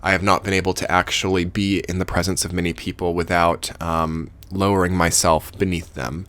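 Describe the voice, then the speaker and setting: Male tarot reader, deep and dry, earnest and meandering, voice wearing thin. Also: little pitch movement, fairly quick, fairly bright tone, dry recording. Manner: rambling, earnest, with many fillers. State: losing his voice. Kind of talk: casual tarot reading to camera.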